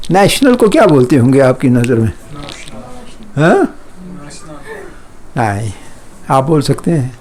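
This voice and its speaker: A man's voice: mid-range voice, very animated, darkish tone. Man drilling Persian words. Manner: drills words by slow repetition; quizzes students and corrects them. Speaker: Persian teacher. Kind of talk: classroom language lesson.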